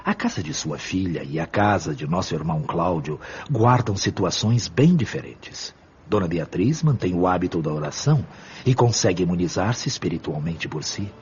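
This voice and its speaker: Audio drama role: wise, serene male spirit guide, acted by a man, low voice, didactic and formal, lively intonation, muffled recording. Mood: patient, firm. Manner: measured, didactic, formal diction. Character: calm wise male spirit mentor, patient and firm. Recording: dull lo-fi audio.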